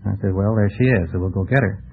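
A man's voice: fairly low pitch, fast, gravelly, slightly rough. An American man, a contestant on a radio quiz, giving plain, casual answers about himself. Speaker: quiz show contestant, motor vehicle department clerk. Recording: muffled tinny old radio broadcast.

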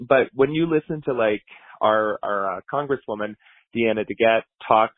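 A man's voice: lowish voice, normal speed, no room sound. Friendly man on a tinny phone line. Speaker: caller. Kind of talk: voicemail message.

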